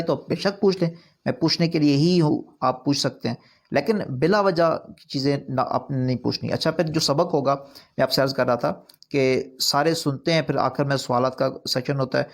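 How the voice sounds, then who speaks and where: Gravelly and medium in pitch, this man's voice carries an online recitation lesson. He speaks earnestly, restating points with increasing emphasis, in Urdu, which is not his mother tongue.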